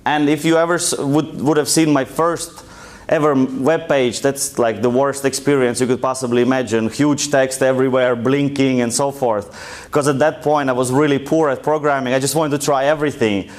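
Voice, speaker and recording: A man's voice: mid-range voice, steady tone, moderate pace. A young man from Russia with a thick Russian accent, giving a joking, loosely told presentation to an audience in a lecture room. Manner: casual, joking, loose storytelling. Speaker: conference speaker. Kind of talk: live presentation talk.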